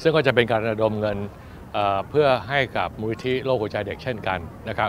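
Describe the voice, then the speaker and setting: A man speaks with ordinary pitch variation. The sound is dry with no echo, with light background noise. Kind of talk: public announcement speech. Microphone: lapel.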